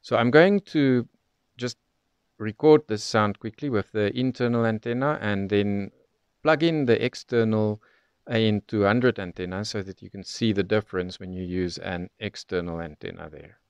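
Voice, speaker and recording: A man's fairly low, darkish voice moves at a moderate pace as he presents an unscripted product demo for a radio tutorial, methodically explaining each step. His tone is clean with no room sound, though the recording is muffled.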